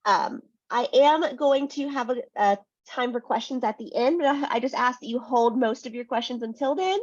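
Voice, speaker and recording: A woman's voice: a little high, moderate pace, darkish tone, no echo. A woman with a cold, a test prep tutor giving a chatty webinar presentation, full of "um" and "right?". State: sniffly from a cold. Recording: dull lo-fi webinar audio.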